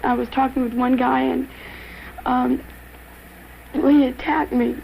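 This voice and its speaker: Actress as shaken young woman, soft creaky voice. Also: high voice, level tone, full character voice. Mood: hesitant. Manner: hesitant, halting. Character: shaken, hesitant nineteen-year-old female crime victim. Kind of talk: 1970s training film acting. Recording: faintly noisy old film soundtrack.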